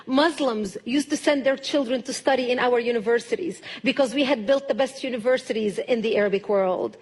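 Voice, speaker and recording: A middle-aged woman speaks to a church audience, her voice sitting a little high. She delivers her testimony in measured, emphatic phrases, pausing deliberately between points. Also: breathy edge. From Lebanon. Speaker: guest speaker.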